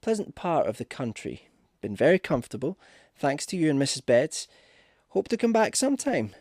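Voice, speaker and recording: A man voicing a polite, awkward gentleman lodger in a ghost story, hesitant and apologetic in manner. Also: on the high side, sing-song, moderate pace, dry recording, studio quality. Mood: courteous. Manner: hesitant, stammering, courteous. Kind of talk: ghost story audiobook character.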